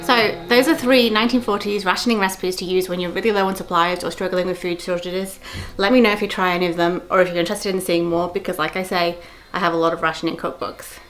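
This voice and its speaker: A woman's voice: lowish voice, fairly even intonation, fast, a bit bright, faint music behind, rough recording. A woman giving casual cooking vlog narration, chatty and dryly humorous.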